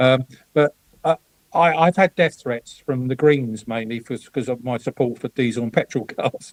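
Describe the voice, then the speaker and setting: With an English accent, a man talks at a moderate pace and ordinary pitch variation, the sound dry and close with no echo. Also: medium pitch for a man. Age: 70s. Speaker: motoring campaigner and former political candidate. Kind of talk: casual chat. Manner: halting, repeats words.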